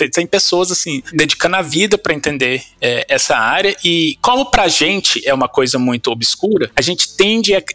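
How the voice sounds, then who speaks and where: A man's high-pitched voice with very wide pitch swings at a moderate pace, dry and close with no echo, over music in the background. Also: hardly any pauses. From Brazil, Belo Horizonte (Minas Gerais). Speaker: cognitive psychology researcher. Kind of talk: casual interview.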